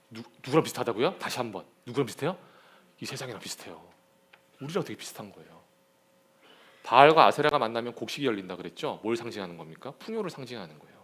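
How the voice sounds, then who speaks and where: A young man preaching a lively sermon to young people, telling stories and acting out the scenes. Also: medium pitch. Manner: animated storytelling, shouts and acts out scenes. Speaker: youth pastor.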